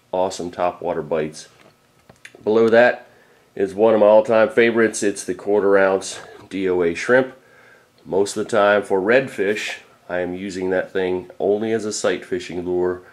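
A middle-aged man, a fishing guide, giving a casual off-camera talk about lures in a plain, practical way with frequent fillers. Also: low voice. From Florida.

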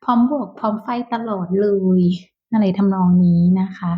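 A woman giving a casual tarot reading to viewers, talking softly and chattily with whispered asides. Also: mid-range voice, normal speed. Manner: soft, chatty, with whispered asides and light laughs. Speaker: tarot reader. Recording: dull lo-fi sound.

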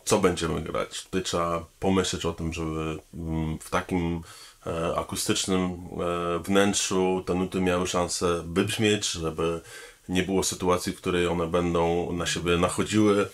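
A man, a pianist and composer, speaking formally and thoughtfully about his work and pausing often on hesitation sounds. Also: low-pitched. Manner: measured and thoughtful, with frequent hesitation fillers; formal, polite address to the audience. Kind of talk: promotional talking-head statement.

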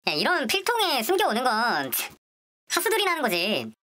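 Performer acting a bright-voiced, cheeky young camp recruit. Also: high voice, huge pitch swings, normal speed, full character voice. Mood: cocky. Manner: stammering politeness to superiors, boastful with friend. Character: cocky, scheming young camp recruit, nervously deferential. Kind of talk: comedic skit role-play.

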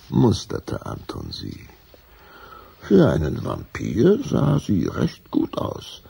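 A man narrating a children's radio play as an unhurried storyteller, with a dark, husky, gravelly voice. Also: low voice, full character voice.

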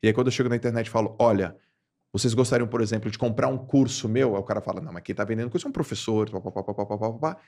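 Gravelly, animated Brazilian man. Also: rapid-fire, faint music behind. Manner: animated storyteller, jumps in pitch for emphasis, slangy. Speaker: podcast guest. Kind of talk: casual podcast chat.

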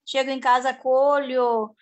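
A high-pitched middle-aged woman, speaking over a video call from her home. She rambles in a chatty, homespun way, restarting her sentences and tagging them with little checks. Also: little pitch movement, a little slow. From southern Brazil. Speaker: organic farmer. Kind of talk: casual video-call panel talk.

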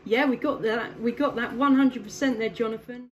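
An English woman with a fairly high, steady voice chats casually over CB radio from her home station with a distant contact, speaking at a moderate pace. She's friendly, laughs often, and fills pauses with plenty of ums. A slight hiss or hum sits under the audio.

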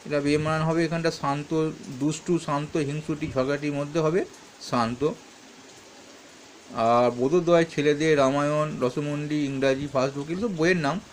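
Guy with a high voice going through textbook answers, lil bit of hiss behind. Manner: reads questions then answers, stops to correct himself. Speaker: teacher.

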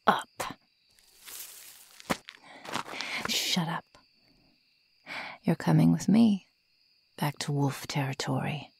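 A woman playing a slow, whispering sadistic werewolf girl. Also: low-pitched, exaggerated voice. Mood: cruel, stern. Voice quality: breathy, mostly whispered, creaky. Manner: slow, taunting, menacing. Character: sadistic werewolf girl, predatory, mocking, toying with prey. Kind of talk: ASMR roleplay, whispered.

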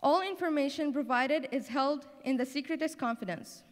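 A woman's voice: high-pitched, normal speed. A young woman from the Middle East speaking on stage as a student presenter, in a prepared-speech style. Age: young adult. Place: large auditorium stage. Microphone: handheld microphone. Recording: echoey auditorium.

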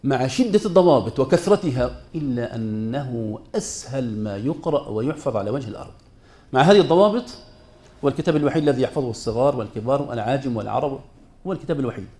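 A man with a dark, expressive, medium-pitched voice talks fast while teaching the rules of Quran recitation. He is emphatic, puts rhetorical questions to his students, and slips colloquial asides into his formal Arabic.

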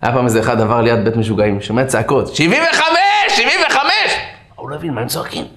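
A man telling a story in a religious talk, animated and acting out the characters. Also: mid-range voice, roomy sound. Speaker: religious speaker.

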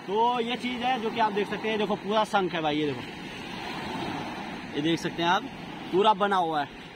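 A man records a casual travel vlog outdoors, talking straight to his viewers with eager chatter. His voice sits high, and steady outdoor noise runs under it from a simple camera mic. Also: normal speed. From Indian hill region. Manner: chatty, excited, addresses viewers as bhai. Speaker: travel vlogger. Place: outdoors by the sea and in a coconut grove. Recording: noisy outdoor camera audio.

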